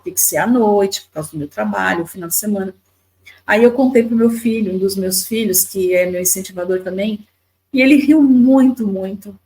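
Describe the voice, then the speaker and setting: Poor audio captures a medium-pitched, darkish female voice at a moderate pace. She is a lawyer and YouTuber from Brazil in her fifties, chatting casually as a podcast guest and telling stories with frequent repeated words and tag questions.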